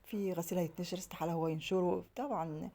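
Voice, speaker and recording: A woman's voice: lowish voice, fairly even intonation, fast, mellow. A woman with an Egyptian Arabic accent, telling stories in a casual home vlog and rambling on as she acts out the dialogue. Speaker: home vlogger.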